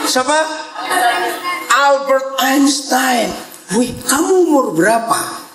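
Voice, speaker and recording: High-voiced preacher in an echoey church. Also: male voice, slow, heavy background noise. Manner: lively, teasing, quizzes the congregation. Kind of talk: interactive youth sermon. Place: church hall.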